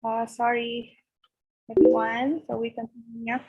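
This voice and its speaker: Slow, husky-voiced woman teacher on a call. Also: a little high, little pitch movement. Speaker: English teacher. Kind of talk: online class, calling on students. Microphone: video call. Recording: dull lo-fi call audio.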